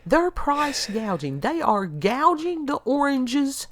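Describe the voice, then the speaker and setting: A woman's voice: high-pitched, very animated, takes it slowly. A middle-aged woman with a congested, stuffy voice, chatting casually as a podcast host and telling wry stories. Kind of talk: casual chat.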